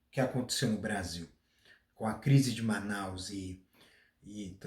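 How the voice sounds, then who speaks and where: Slow, rambling Brazilian man with a cough. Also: medium pitch, echoey room. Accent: Brazilian Portuguese. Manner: rambling, restarts and trails off. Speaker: podcast host. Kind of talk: casual solo commentary.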